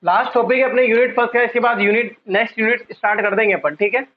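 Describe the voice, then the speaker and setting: A man's voice: high-pitched, fairly even intonation, phone-quality sound. A male psychology teacher giving an online exam-prep lecture, repeating key terms and quizzing the class often, drawing out the important words. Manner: drawn-out emphasis on key words.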